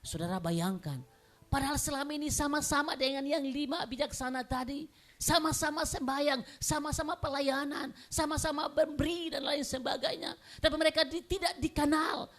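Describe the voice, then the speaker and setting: A woman's voice: high voice, fairly even intonation, fairly quick. Emphatic woman preaching a sermon. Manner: emphatic, repetitive preaching with swings between soft and loud. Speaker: pastor. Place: church.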